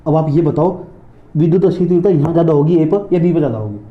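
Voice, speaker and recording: A man's voice: fairly high pitch, expressive, rapid-fire, reverberant, phone-quality sound. A man teaching physics in a classroom lecture, repeating points and drilling his students with questions and answers.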